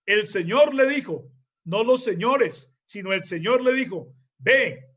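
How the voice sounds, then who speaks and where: Man, preacher, Bible sermon, very high pitch, emphatic, rhetorical questions, muffled lo-fi sound. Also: lively intonation, unhurried, fairly bright tone.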